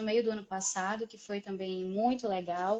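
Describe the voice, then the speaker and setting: A woman with a northeastern Brazilian accent, a dark, mellow tone and a moderate pace. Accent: northeastern Brazilian (Natal), noticeable. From Brazil, Natal (Rio Grande do Norte). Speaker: law professor and lawyer. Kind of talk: live stream interview.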